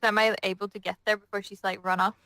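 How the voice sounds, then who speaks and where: A woman's voice: medium pitch, little pitch movement, fast talker, sharp tone, clear, resonant tone, no echo. A woman playing a tabletop game, moving casually between roleplay and table chat.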